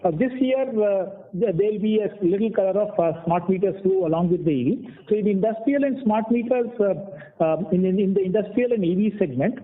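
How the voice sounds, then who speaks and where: A man with an Indian accent speaks over a narrow phone line. His voice sits fairly high, and he explains things like a company executive, in a halting way full of pauses. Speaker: company executive on an earnings call. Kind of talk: answering analysts on a conference call. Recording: tinny phone conference line.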